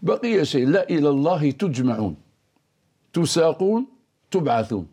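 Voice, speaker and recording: Husky, animated male scholar. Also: on the high side, normal speed. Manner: teacherly, quizzes his co-host and quotes verses. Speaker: scholar of Quranic language. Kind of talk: explanatory religious lesson in dialogue.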